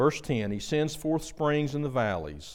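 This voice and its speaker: There is audible room echo as a man speaks at a moderate pace with ordinary pitch variation. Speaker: lay preacher giving a church lecture. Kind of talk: sermon-style Bible lecture. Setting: church with congregation. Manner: halting with repetitions.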